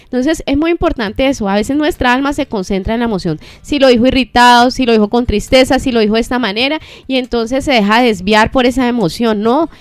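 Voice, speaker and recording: A woman co-hosting a Christian talk program, explaining a faith lesson in a measured, earnest way, full of rhetorical questions and small restarts. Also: on the high side, clean tone, dry recording. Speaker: co-host of a Christian teaching program. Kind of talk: reflective faith teaching in conversation.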